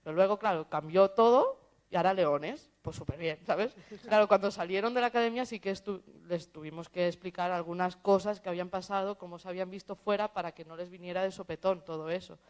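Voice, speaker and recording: A woman's voice: on the low side, fast talker, darkish tone. A woman chats on a festival stage panel about her work running social media. She talks easily and tells anecdotes, slipping into the voices of the people she quotes. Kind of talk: casual panel conversation.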